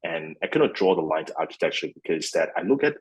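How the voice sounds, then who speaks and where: Very deep husky man, rambling. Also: big pitch swings, fast talker, poor audio. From Malaysia. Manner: rambling, with many restarts and fillers. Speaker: guest, fund CEO. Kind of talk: conversational interview answers.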